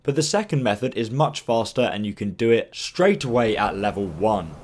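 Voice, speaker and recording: A man hosting a game walkthrough, explaining steps in an upbeat, instructive way, his voice croaky from a long stream. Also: lowish voice, animated, normal speed. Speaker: gaming guide host.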